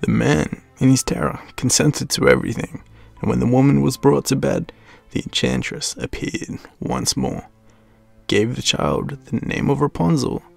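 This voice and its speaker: A man with an Australian accent giving dramatic storybook narration, often dropping into a breathy hush. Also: medium pitch, animated, moderate pace, no echo, faint music behind.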